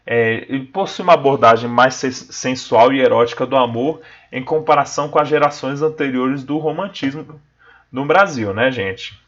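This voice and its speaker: A man gives a recorded literature lesson at a middle pitch, explaining each point and checking in with his viewers often. The recording is a little muffled and lo-fi. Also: normal speed, fairly bright tone. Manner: explanatory, addresses viewers as "gente", frequent "né?" and "tá bom?". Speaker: literature teacher. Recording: slightly dull lo-fi sound.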